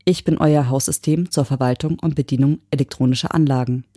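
A possessive house AI, voiced by a woman in an audiobook, speaking with flat, mechanical patience. The tone is mellow and unhurried. The sound is dry and close. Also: extremely low pitch, dry recording. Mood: cold, devoted. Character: possessive smart-home AI, a dead husband's mind. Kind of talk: audiobook reading.

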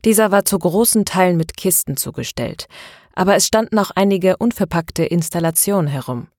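Woman, audiobook narrator, very low voice, dry close sound, measured. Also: animated, a little mellow, no room sound. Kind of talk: scripted narration.

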